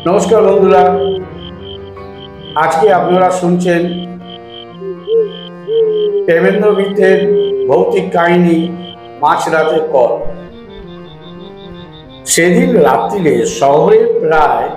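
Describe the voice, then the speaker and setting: A man's voice: sits high, takes it slowly, pauses often. A man reading a scripted horror story as its narrator. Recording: roomy echo under loud music. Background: background music.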